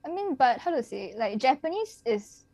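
A woman with a somewhat high voice explains things steadily as a guest in a relaxed conversation. The sound is dry and close, with no room echo. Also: normal speed. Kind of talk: casual conversation.

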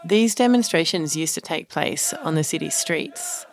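A woman reporter narrating a documentary podcast in a calm first-person storytelling manner. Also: sits low, normal speed, some chatter behind. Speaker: reporter and co-host.

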